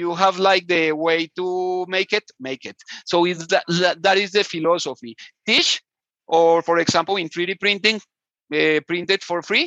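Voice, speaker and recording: A man with a Colombian accent speaks at a fairly slow pace and a high pitch, his intonation fairly even. His tone is bright and sharp, the sound dry and close with no echo against a quiet background. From Colombia (Medellin). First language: Spanish. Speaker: assistive technology inventor. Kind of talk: casual interview with demo. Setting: video call.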